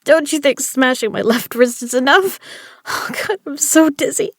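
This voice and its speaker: A woman's voice: high-pitched, lively intonation, normal speed, a bit bright, dry recording, studio quality. A woman acting a battered but tough poker player in an audio drama, her delivery strained and gasping. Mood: frightened, pleading.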